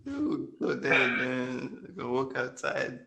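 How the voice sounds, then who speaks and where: A male podcast co-host with a gravelly, creaky voice that swings widely in pitch. He teases and needles his partner with sarcastic banter. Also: big pitch swings, slow, sharp tone. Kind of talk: casual chat.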